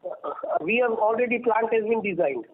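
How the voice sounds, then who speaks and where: A man's voice: high voice, animated, normal speed, a little hiss or hum. A man with an Indian accent answering questions as a company executive on an earnings call, speaking emphatically and repeating himself for stress. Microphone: telephone. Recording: muffled narrowband phone conference line.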